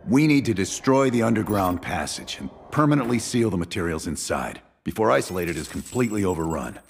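Gravelly low-voiced military commander. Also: male voice, very animated, a little fast, heavily acted. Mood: grave, urgent. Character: stern, commanding middle-aged male military handler. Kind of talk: military mission briefing and radio orders. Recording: loud background music.

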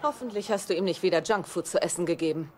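An actress playing a curt, dismissive, middle-aged ex-wife with a dry, blunt manner in a dubbed sitcom. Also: female voice, fairly low pitch, fast, natural voice. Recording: noisy TV soundtrack with background ambience.

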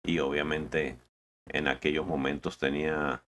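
A man's voice: extremely low pitch, flat delivery, unhurried, fairly bright tone. A man, chatting casually while playing a truck game, often stumbling and repeating words. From Colombia. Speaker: gaming video host.

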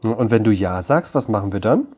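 Husky guy, psychologist in his 30s, talks straight and direct, keeps checking in w/ "ja?". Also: on the low side, animated, brisk. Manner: direct and explanatory, often checks in with "ja?"; gentle, coaxing tone with his son. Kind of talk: advice talk to camera, then chat with his child.

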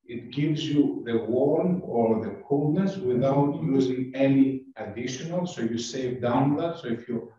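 Around a large table in a town meeting room, a board member from Greece, a native Greek speaker, talks casually, hunting for words and restarting phrases. His voice is mid-range and dark, unhurried with few pauses, captured far from the mic in an echoey, dull recording.

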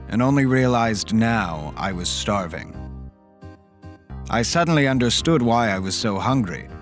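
A man plays a polite, fussy accountant narrating a horror audio drama. His voice is low and his storytelling measured. Soft music runs faintly underneath. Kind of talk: scripted first-person horror narration.

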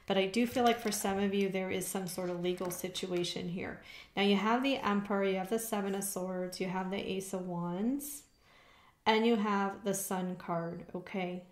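A woman of middling pitch reads tarot cards for her viewers. She talks casually and keeps checking in with little "okay?" asides. Her voice rings a bit in an echoey room. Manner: conversational, frequent "okay?" check-ins. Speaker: tarot reader. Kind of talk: tarot reading to camera.

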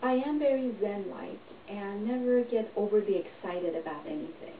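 A middle-aged woman performer giving a deadpan, tongue-in-cheek monologue to camera. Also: medium pitch, moderate pace, a little hiss or hum. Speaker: comedy performer. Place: small indoor room, plain wall. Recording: echoey, distant, dull home recording.

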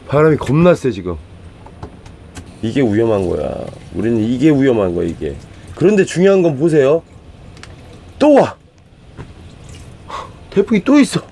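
A man's voice: medium pitch, warm tone, a little hiss or hum. A man narrating a casual vlog to his viewers, talking in a colloquial, blunt, slangy way. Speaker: vlog host.

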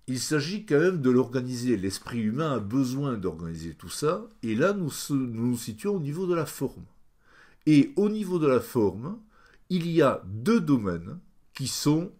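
An older man giving a measured, explanatory recorded lecture over slides, with occasional hesitations. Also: fairly low pitch, a little mellow. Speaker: phonetics lecturer.

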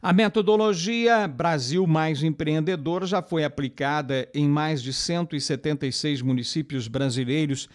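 A male reporter reading a scripted local news report in a measured, formal way. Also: a little high.

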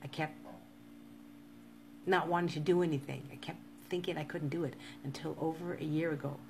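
A woman's voice: deep voice, fairly even intonation, moderate pace, gravelly, background noise. A woman in her fifties speaking to live-stream viewers in a casual monologue, earnestly repeating encouraging urges. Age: 50s. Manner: earnest, repetitive motivational urging.

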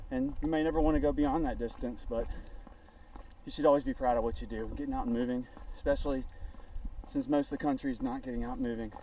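Out on roadside paths in the wind, a man in his forties who vlogs about running gives a casual motivational talk to the action camera he holds at arm's length, audibly exerted as he runs. He has a mid-range voice with vocal fry and a darkish tone. The sound is dull, distant and noisy.

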